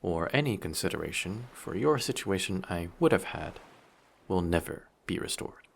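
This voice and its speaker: Brief: male actor as possessive male sea monster for audio roleplay, very low and gravelly, quietly menacing yet flirtatious. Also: lively intonation, slight background noise. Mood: coolly threatening. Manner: measured, quietly menacing, formal wording. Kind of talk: intimate scripted audio roleplay drama.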